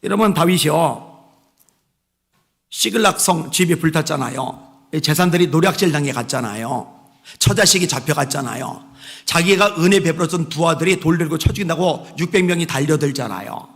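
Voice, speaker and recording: A pastor preaching a sermon in a church. He drives his points hard, switching between shouted exhortations and quiet asides, and has the congregation repeat phrases after him. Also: a little high, moderate pace, gravelly. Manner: leads the congregation in call-and-response repetition. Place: church sanctuary. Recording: long reverb of a church hall.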